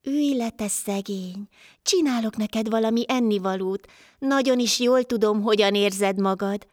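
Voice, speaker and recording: A woman's voice: medium pitch, no room sound, clean studio sound, natural voice. A woman voicing a swollen sick man in a folk tale, earnest and welcoming.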